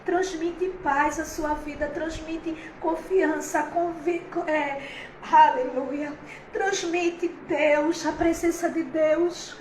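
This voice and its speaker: A woman's voice: high-pitched, fairly even intonation, slow, a little mellow, reverberant, a little hiss or hum, rough recording. A woman pastor, preaching a heartfelt, conversational sermon on a livestream, with many fillers.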